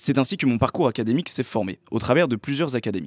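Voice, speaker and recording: Here a man speaks at a medium pitch with lively intonation. His voice sounds dry and close with no echo, in a very clean recording with a silent background. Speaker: former mountain rescuer turned entrepreneur. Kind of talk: reading aloud a scripted self-introduction. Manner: halting, with frequent self-corrections.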